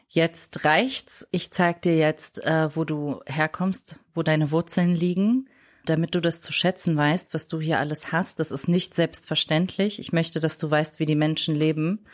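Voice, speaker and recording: Woman guest, raised in Germany, deep low voice, reflective, hunts for words as she goes. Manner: reflective, searching for words mid-sentence. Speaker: interview guest. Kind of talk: personal storytelling in a podcast interview.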